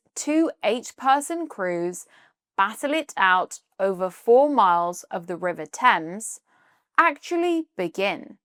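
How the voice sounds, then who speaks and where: In a British accent, a woman speaks with very wide pitch swings on a very clean recording with a silent background and a dry, close sound with no echo. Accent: Modern RP British. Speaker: English teacher. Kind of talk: language lesson shadowing read. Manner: slow, clear.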